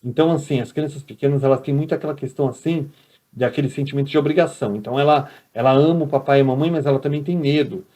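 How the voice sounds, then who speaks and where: Brazilian male teacher, mellow voice. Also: mid-range voice, rapid-fire. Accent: Brazilian Portuguese. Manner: conversational, often adds "né?" and "tá?". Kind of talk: recorded education lecture.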